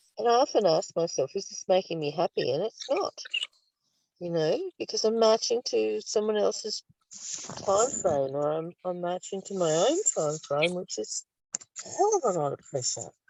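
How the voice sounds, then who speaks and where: With an Australian accent, a woman is speaking. She keeps a moderate pace. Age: 60s. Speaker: spiritual study group leader. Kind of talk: casual spiritual discussion. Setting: phone call from inside a van.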